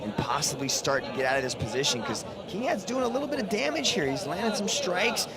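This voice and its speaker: A man's voice: high-pitched, big pitch swings, quick pace. A man giving technical, explanatory live commentary on a mixed martial arts fight as the analyst. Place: ringside at a fight arena. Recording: loud arena crowd behind voice. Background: loud crowd.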